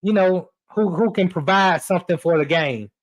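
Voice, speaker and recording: A man, a sports radio producer and host, talking in a relaxed way with fillers and repeats as a guest. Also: high voice, normal speed. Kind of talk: casual storytelling chat.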